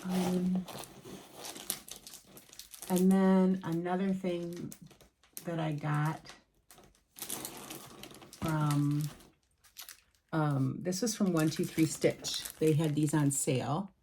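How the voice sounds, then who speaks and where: A woman's voice: low voice, steady tone, extremely slow, long pauses, warm tone, slight background noise. A middle-aged woman chatting casually at home about her cross-stitch patterns, rambling with many ums and restarts. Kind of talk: casual show-and-tell chat.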